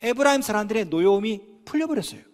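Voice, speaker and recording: Animated high-voiced man preaching a sermon. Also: rapid-fire, long reverb tail. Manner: animated, acts out quoted dialogue, asks the congregation questions. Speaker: pastor.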